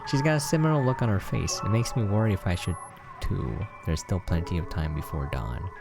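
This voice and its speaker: Low-pitched man reading aloud over music. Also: a little fast, vocal fry. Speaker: gameplay preview host. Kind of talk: reading a visual novel aloud with casual asides.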